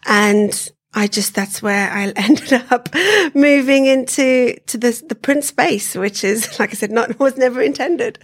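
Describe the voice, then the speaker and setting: A woman's voice: a little high, unhurried. A woman from South Africa, a sales professional talking as a podcast guest, chatty and often restarting her sentences. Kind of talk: casual interview chat.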